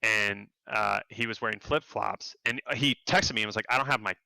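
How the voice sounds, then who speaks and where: Gravelly, bright-toned man telling stories. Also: moderate pace, no echo, poor audio. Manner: animated, acts out quotes in a higher voice. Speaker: game developer guest. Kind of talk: casual storytelling interview.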